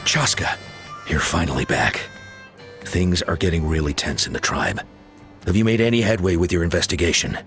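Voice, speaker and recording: A man playing an earnest tribal leader in a video game, speaking deliberately and with emphasis. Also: low-pitched, lively intonation, creaky, fairly bright tone, soft background music, full character voice. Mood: concerned.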